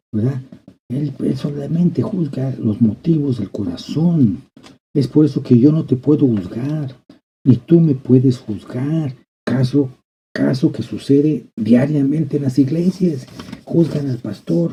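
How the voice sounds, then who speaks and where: A man's voice: mid-range voice, mellow, husky. A male pastor preaching a fervent sermon, often repeating and restarting phrases and calling out to the congregation. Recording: dull lo-fi sermon recording.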